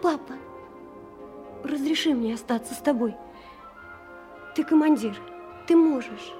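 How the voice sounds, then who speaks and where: A woman's voice: sits high, measured pace, music in the background. An actress playing a pleading young girl, a commander's devoted daughter, in a war radio drama.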